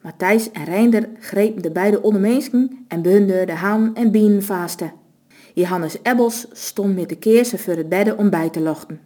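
A woman with a Low reading a story aloud in a steady, even narrating voice. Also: moderate pace.

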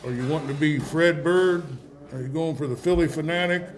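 A man with an American accent hosting a casual live radio interview, chatty and joking, with halting delivery. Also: fairly high pitch. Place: public venue used for a live broadcast.

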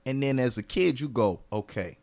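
A man who acts and lifts weights, a guest in a casual podcast chat, relaxed and swearing now and then. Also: medium pitch, moderate pace. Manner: relaxed, swears casually, retells friends' words.

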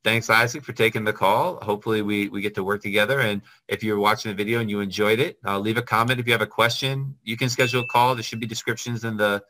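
Chatty male business host, friendly and quick, bright forceful voice. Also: lowish voice, steady tone, a little hiss or hum, rough recording. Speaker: business consultant and channel host. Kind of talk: casual video call, then talking to camera.

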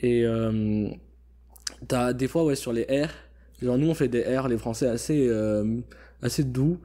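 This is a young man hosting a casual chat, with a relaxed, chatty way of talking. His voice is mellow and warm. He leans on fillers while he steers the conversation. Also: mid-range voice, a little slow. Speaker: host.

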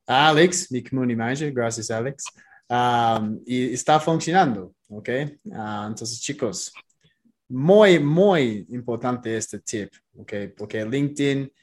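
A man's voice: medium pitch, slow. Upbeat host guy, not a native speaker, talks right to the audience, says ok a lot. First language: not Spanish. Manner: upbeat, addresses listeners, frequent "ok?". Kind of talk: casual interview hosting.

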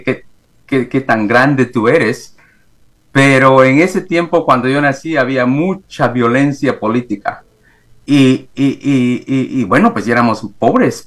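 A middle-aged man from Guatemala, speaking with a Guatemalan Spanish accent on a video call from home, telling his story haltingly with many fillers and restarts. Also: medium pitch. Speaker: guest, executive coach. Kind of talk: remote interview, reflective storytelling. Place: home, in the morning.

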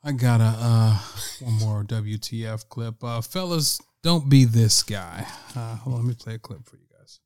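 A man's voice: medium pitch, normal speed, darkish tone, no echo, clean studio sound. A man co-hosting a podcast, chatting casually in a playful, teasing way. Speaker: podcast host. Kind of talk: casual group chat.

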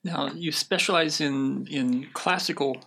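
Low voiced lady hosting a podcast, calm steady questions. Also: a little slow, creaky, slightly rough. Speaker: podcast host. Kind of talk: interview hosting.

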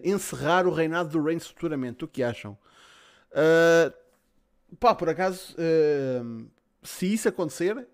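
A man's voice: on the high side, a little mellow, clean tone. A man with a European Portuguese accent, hosting a podcast and reading out listener questions in casual, slangy talk with some swearing. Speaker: podcast host.

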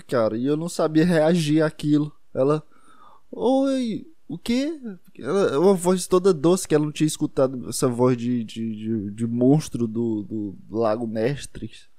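A man's voice: medium pitch, normal speed, warm tone, no echo, studio quality. A young man with a Brazilian accent telling a rambling, self-deprecating story in a casual monologue, swearing freely along the way. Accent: Brazilian Portuguese.

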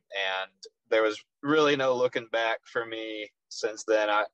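A man in his twenties with a Texas accent, a professional soccer player, answering interview questions in a relaxed way with many ums and restarts. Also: lowish voice, no room sound, muffled recording. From Texas, USA. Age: 20s.

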